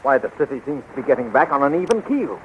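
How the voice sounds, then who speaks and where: An actor playing a brave, reassuring athlete hero, steady and heroic in 1930s radio serial style. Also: male voice, mid-range voice, quick pace, close to an everyday voice. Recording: muffled, hissy 1930s radio recording.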